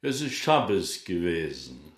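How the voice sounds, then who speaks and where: A deferential Jewish townsman in a radio play. He speaks slowly, in a very deep voice, in a roomy, echoing space. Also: sing-song, heavily acted. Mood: subdued. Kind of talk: radio drama acting.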